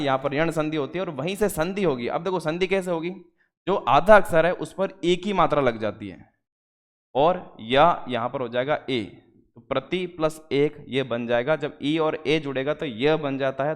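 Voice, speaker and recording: A man gives an exam-prep grammar lesson in a fairly high voice, working through examples one at a time. He slows right down to spell out each word part. A long reverb trails after his speech. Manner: explains step by step, slows to spell out word parts. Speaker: teacher.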